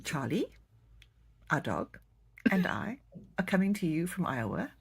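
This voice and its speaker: A woman's voice: lowish voice, very animated, measured pace, slightly rough. A woman from South Africa with a South African accent, a romance author chatting to camera as she tells the story of her new book. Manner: chatty, warm storytelling of a plot summary.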